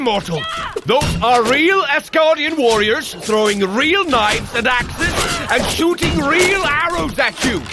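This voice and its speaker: Big hearty warrior god trainer, takes his time, super swoopy grand delivery, audio drama. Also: heavily acted. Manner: booming, theatrical, archaic grand phrasing. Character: boisterous, cheerful male Norse god warrior, hearty trainer.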